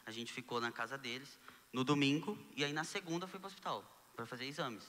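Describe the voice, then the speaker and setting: A young Brazilian man, a guest telling his story in a casual conversation, animated and acting out the dialogue he quotes. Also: mid-range voice, fast talker, long reverb tail. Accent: Brazilian Portuguese. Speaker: guest sharing testimony.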